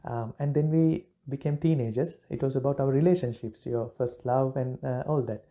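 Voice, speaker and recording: A man from Sri Lanka, a Buddhist monk giving a relaxed dharma talk, pausing often with fillers and restarts. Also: mid-range voice, dull audio. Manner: halting, many fillers and restarts.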